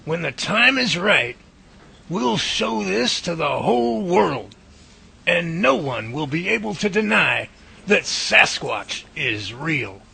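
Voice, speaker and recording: A man's voice: sits high, sing-song, slow, gravelly, bright, forceful tone, husky, heavily acted. A man playing a folksy, confident research professor in a radio drama, explaining things and taking charge. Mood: amazed. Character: folksy, confident professor leading Bigfoot research, good-humored.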